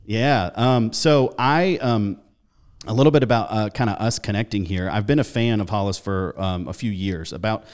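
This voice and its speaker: A man hosting a podcast interview, friendly and enthusiastic, often pausing with fillers. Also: fairly low pitch, a little mellow, clean tone. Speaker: podcast host. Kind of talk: casual interview conversation.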